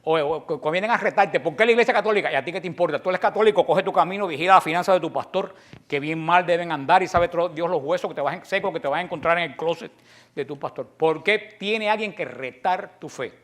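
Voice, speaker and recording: Fiery Cuban man preaching, fairly high voice. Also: fast, a bit bright. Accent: Cuban Spanish. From Cuba. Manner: fiery, combative, rhetorical questions. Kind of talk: sermon.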